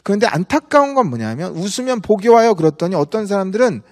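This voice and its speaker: Animated male pastor in echoing church. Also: high voice, fast. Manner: animated, conversational preaching with rhetorical questions. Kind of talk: sermon. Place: church sanctuary. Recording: church sanctuary with long reverb.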